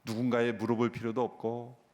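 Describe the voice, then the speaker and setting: 회중에게 수사적 질문을 던지고 인용된 목소리를 흉내 내며 설교하는 남성 목사. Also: male voice, medium pitch, a little fast. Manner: animated, rhetorical questions to the congregation, acts out quoted voices. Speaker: pastor. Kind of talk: sermon. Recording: long hall reverb.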